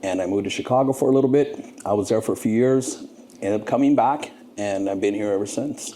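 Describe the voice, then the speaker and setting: A man in his fifties from Southern California, a podcast guest telling his life story in an earnest, animated way. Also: on the low side, fairly quick, slight background noise. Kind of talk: casual interview storytelling.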